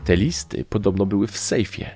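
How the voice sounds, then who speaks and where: A man's voice: fairly low pitch, a little mellow, soft background music, voice pushed up, natural voice. A man voicing a stiff, anxious army captain who speaks hastily to his superior. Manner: stiff, hurried.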